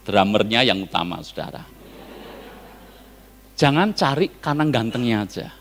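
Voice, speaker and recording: Male pastor, sermon, animated, questions the congregation, lively pitch, faint music under a reverberant hall. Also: breathy edge.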